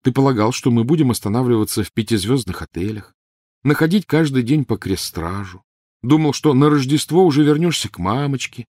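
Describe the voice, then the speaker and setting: A man's voice: fairly low pitch, lively intonation, moderate pace, breathy edge, no room sound, clean studio sound. A man reading an audiobook voices a weary, cold-tempered teenage boy wizard. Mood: tense. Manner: cold, clipped, angry.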